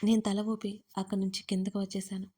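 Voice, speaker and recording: Woman, audio story narrator, first-person, conversational, warm mellow tone, level pitch. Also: level tone, a little fast, husky. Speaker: author and narrator.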